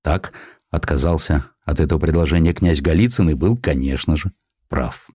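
A man reading a historical essay as an audiobook narrator, in an expressive, scripted literary style. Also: rumbling low, moderate pace, slightly rough, no echo.

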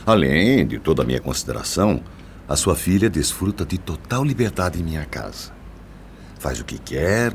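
An actor playing a mature, wealthy widower in a radio soap, a sugary-voiced seducer speaking in courtly, formal phrases. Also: male voice, gravelly, a little mellow, slight background noise, heavily acted. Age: older. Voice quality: very deep, sugary. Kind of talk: radio soap opera acting. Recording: music behind the voice.

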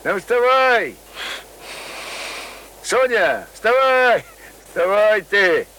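An actor in a Russian radio drama playing a hearty, kindly village man, gruffly affectionate and colloquial. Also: sits high, sing-song, extremely slow, pushed and bright, heavily acted, low-quality recording. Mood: calling, rousing. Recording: radio drama with clear outdoor ambience noise.

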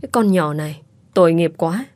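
A bossy, doting old neighbor woman in an audiobook tale, scolding and fussing over the girl next door, as a woman narrator puts her on. Her voice sits low and is recorded close and dry, with no room sound. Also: a little fast, a little mellow, dry recording, lightly acted. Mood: tearful, doting. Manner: scolding yet affectionate, bossy.

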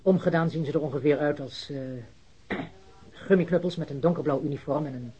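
An actor playing a nervous small-time crook turned informer in a Dutch radio drama, speaking hesitantly and carefully. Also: male voice, a little high, fairly quick, warm tone, husky, muffled recording. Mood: awkward, explaining.

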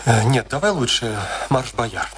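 A gentle, troubled, pleading friend. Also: male voice, mid-range voice, sing-song, unhurried, heavy background noise. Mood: concerned. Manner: soothing, hesitant, pleading. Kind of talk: radio play acting.

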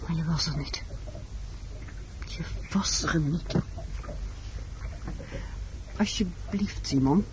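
A woman's voice: deep voice, takes it slowly, pauses often. An actress in a Dutch radio play voicing an insistent, haunted woman who pleads in a brooding, dramatic manner. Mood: haunted, urgent. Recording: dull, noisy old radio play recording.

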